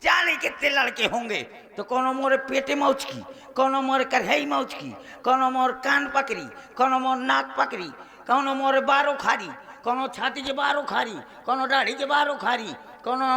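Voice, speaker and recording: A man's voice: very high-pitched, normal speed, creaky, sharp tone. A man with a Bundeli accent doing a stage comedy monologue, wailing and laughing through it. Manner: wailing, laughing, mock-sobbing delivery. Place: outdoor village stage with music.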